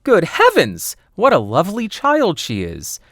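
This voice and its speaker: A man performs an excitable little fairy-tale dwarf. The voice jumps well above a normal male pitch, with exclamatory, kind-hearted storybook delivery. The sound is close and dry. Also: measured pace, dry recording, heavily acted. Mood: amazed.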